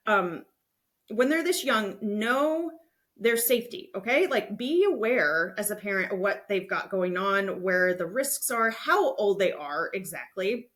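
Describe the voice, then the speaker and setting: A podcast host with a medium-pitched, somewhat bright voice explains things to parents. Her manner is conversational, instructive and reassuring.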